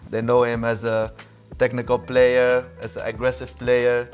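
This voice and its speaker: A man's voice: medium pitch, monotone, moderate pace, faint music behind. A man hosting a casual podcast interview, asking friendly questions with some restarts. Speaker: podcast host.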